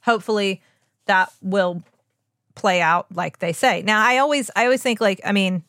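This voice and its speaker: A woman's voice: medium pitch, normal speed, a bit bright, no echo, studio quality. A woman hosting a podcast as a doctor, explaining in an earnest, informal way with emphatic asides. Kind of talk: conversational explainer on medicine.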